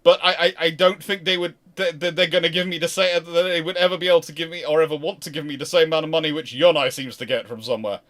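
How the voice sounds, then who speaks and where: A man's voice: fairly high pitch, fairly even intonation, fast talker, hardly any pauses, a bit bright. A British man in a casual livestream history discussion, hosting and answering questions in a rambling, emphatic way that often interrupts itself. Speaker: host answering viewer questions.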